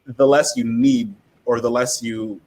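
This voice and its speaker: A man's voice: medium pitch, flat delivery, unhurried, a little mellow. A man speaking as an audio drama creator on a casual panel, explaining at length with many asides.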